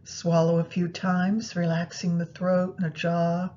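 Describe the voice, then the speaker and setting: A woman guiding a meditation practice in a soothing, unhurried manner, pausing between phrases. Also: completely flat delivery, dark tone. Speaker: yoga nidra meditation guide. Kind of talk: guided meditation instruction. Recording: muffled, low rumbling background noise.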